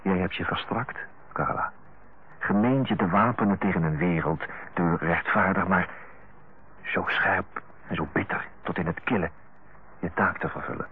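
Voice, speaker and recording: An earnest, tender brother in an old radio drama. His low, husky voice is solemn and eloquent, on a thin, phone-like recording. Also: moderate pace, pauses often. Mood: earnest, reproachful. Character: earnest, tender brother counselling his older-aged sister. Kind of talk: Dutch radio play acting.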